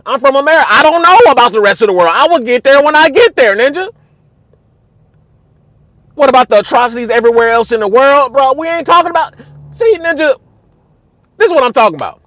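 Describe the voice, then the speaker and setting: A young man hosting a casual livestream, talking back to his chat in a heated, repetitive way that gets loud and high when he is worked up. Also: lively intonation, fast, pauses often, dry recording. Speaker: host.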